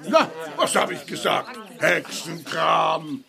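An actor playing a pompous, blustering town mayor, quick to take offence, in a children's radio play. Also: male voice, fairly high pitch, big pitch swings, gravelly, very noisy, full character voice. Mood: indignant, scornful.

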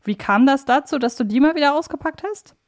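Higher-voiced woman hosting a podcast. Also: animated, brisk. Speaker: podcast host. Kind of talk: chatty podcast interview hosting.

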